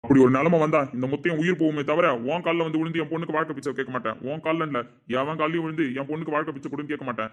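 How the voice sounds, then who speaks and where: A man's voice: on the high side, fairly even intonation, rapid-fire, muffled recording, natural voice. A man playing a middle-aged father who defends his daughter with emphatic, indignant speech in a family drama. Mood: angry. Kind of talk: amateur family drama acting.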